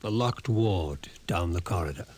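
A man's voice: deep voice, expressive, measured pace. A man playing a grave, insistent doctor in a 1950s radio drama, lecturing emphatically with an ominous air. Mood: intense, knowing. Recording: noisy old 1950s radio recording.

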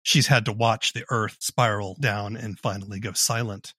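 A man's voice: lowish voice, fairly even intonation, moderate pace, pushed and bright, slightly rough, no room sound, clean studio sound. A man interviewing a guest in a thoughtful, conversational podcast style.

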